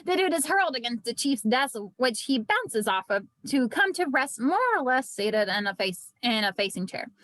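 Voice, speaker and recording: A woman's voice: a little high, sing-song, normal speed, hardly any pauses, fairly bright tone, dry recording. A woman reading scripted stage directions as narrator at a screenplay table read.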